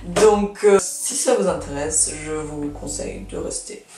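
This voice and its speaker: A woman's voice: sits low, unhurried, vocal fry, roomy sound, far from the mic, over music. A woman in her twenties, born in Canada, chatting in a vlog with many fillers and restarts while losing her voice. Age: 20s. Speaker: law student vlogger. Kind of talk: casual vlog chat.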